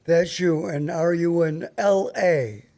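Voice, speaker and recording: An older man hosts a loose talk show in a notably high voice with a soft, dark tone. He is blunt and jokey, swears freely, and stumbles or repeats himself as he puts questions. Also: slow pace, vocal fry. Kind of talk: casual, joking interview chat with profanity.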